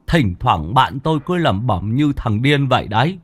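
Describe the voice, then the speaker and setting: A man's voice: mid-range voice, big pitch swings, normal speed, husky, no room sound. A man doing a teasing young villager. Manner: teasing, offhand.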